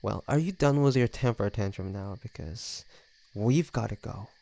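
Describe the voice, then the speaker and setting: Man voicing a smug, creaky low-voiced flirty vampire. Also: animated, moderate pace, mellow. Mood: wry, sardonic. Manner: teasing, smug, sardonic. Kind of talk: scripted audio roleplay addressed to the listener.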